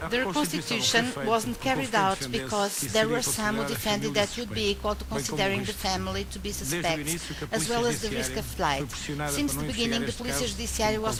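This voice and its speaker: Someone with a Portuguese accent talks at a fairly quick pace, with music playing in the background. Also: hardly any pauses. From Portugal. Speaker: narrator. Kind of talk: documentary narration.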